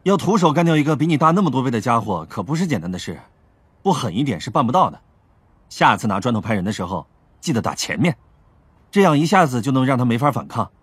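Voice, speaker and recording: An actor playing a self-assured, amused police captain with a leisurely, teasing manner in an audio drama. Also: male voice, mid-range voice, sing-song, fast talker, slightly rough, no echo. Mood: instructive.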